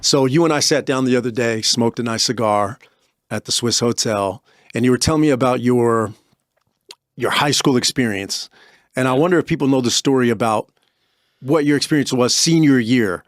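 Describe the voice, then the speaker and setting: A man's voice: medium pitch, normal speed, dry recording, clean studio sound. A man hosting an interview, talking casually and prompting his guest. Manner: conversational, prompting with short backchannels. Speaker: podcast host.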